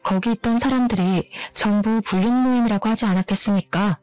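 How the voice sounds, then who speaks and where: A woman's voice: mid-range voice, fairly quick, darkish tone, dry recording, rough recording. A woman narrating a first-person story in a scripted voice, indignant and full of sarcasm. Her mid-range voice sits close and dry on the mic. Faint background music plays under her.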